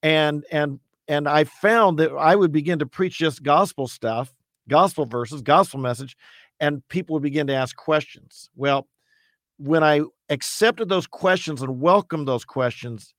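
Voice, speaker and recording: A man with a loud, earnest preacher's voice, pitched a little above most men. He speaks as a guest on a radio talk show, emphatic and full of restarts. The recording is dry and close, with no room sound. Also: measured pace, dry recording. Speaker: campus evangelist.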